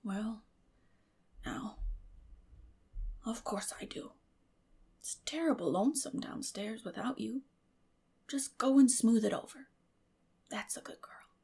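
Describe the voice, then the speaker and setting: Woman playing a hushed, gentle older farmer man. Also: a little high, slow, gravelly, long pauses, husky, exaggerated voice. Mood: relieved, secretive. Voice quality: hushed, whispery. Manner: hesitant, coaxing.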